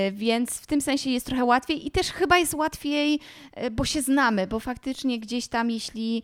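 With a normal speaking voice, a woman talks at a fairly slow pace with ordinary pitch variation, recorded very cleanly against a silent background with a dry, close sound and no echo. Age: 20s. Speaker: actress and podcaster. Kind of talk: casual chat.

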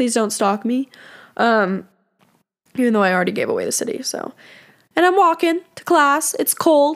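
A woman with a Californian accent speaks at a high pitch and a moderate pace, her pitch swinging very widely. She leaves long, frequent pauses. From California, San Diego. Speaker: podcast host. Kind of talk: casual monologue. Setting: lying in bed at home. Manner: animated.

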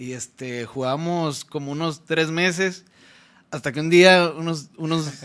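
In a very clean recording with a silent background, a man with a plain, everyday voice speaks at a fairly slow pace and a fairly high pitch, with fairly even intonation. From Nayarit, Mexico (Las Varas, coast). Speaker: rapper. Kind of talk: casual chat.

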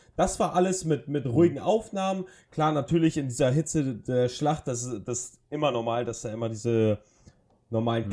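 Here a man talks at a moderate pace with a medium pitch. His tone is dark and mellow, with lively intonation. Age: 20s. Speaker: podcast co-host, apprentice. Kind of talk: casual chat. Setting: indoor home studio. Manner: halting, repeats words.

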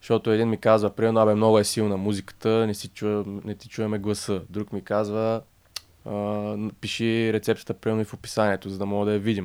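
A man talks at a fairly quick pace in a fairly low pitch, his intonation monotone and flat. His loudness swings widely. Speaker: cooking YouTuber and cookbook author. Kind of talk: casual interview. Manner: calm.

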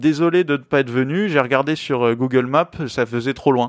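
A man speaks in a plain, everyday voice at a medium pitch. His pace is moderate and his pitch varies in an ordinary way. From France, near Senlis (Oise). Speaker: restaurant owner. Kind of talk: casual interview.

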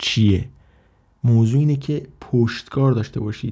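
A man's somewhat breathy, dark, mellow voice at a medium pitch and moderate pace, on a very clean recording with a silent background. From Iran. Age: 30s. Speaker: YouTuber and programmer. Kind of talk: podcast monologue.

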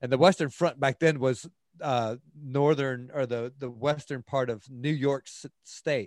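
A man with a Southern US accent speaks at a fairly slow pace and a medium pitch. His intonation is fairly even, and the sound is dry and close with no echo. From US South, Georgia. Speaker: podcaster and life coach. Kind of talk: casual interview. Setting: remote call.

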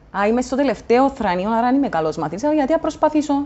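Speaking with a Cypriot accent, a woman moves through very wide pitch swings. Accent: Cypriot Greek. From Cyprus. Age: 20s. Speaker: lawyer and election candidate. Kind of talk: casual interview.

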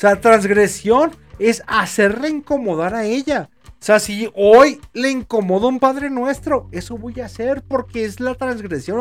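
With music in the background, a man at an extremely high pitch speaks fairly slowly, his pitch varying in an ordinary way and his loudness swinging widely. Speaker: podcast host. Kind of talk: casual chat. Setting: live stream.

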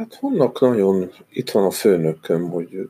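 A man's voice is recorded dry and close with no echo. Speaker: writer. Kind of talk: interview.

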